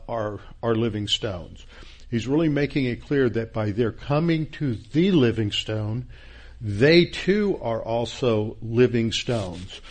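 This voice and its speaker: A man teaching a verse-by-verse Bible class, with a halting delivery full of restarts and stressed key words. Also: mid-range voice. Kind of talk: expository Bible class lecture.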